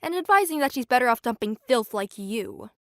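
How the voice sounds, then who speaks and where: A bright, high-voiced young woman, played by a voice actress, feisty and outspoken as a shop cashier in an audio drama. She scolds with defiant emphasis, recorded close and dry. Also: lively intonation, a little fast, no echo. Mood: scornful.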